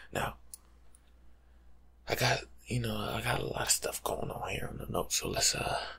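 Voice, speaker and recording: Hushed, breathy young American man, creaky whisper. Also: medium pitch. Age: young adult. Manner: casual, slangy, teasing. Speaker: ASMR creator playing a life coach. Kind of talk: ASMR roleplay monologue, softly spoken and whispered. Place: small room at home, indoors.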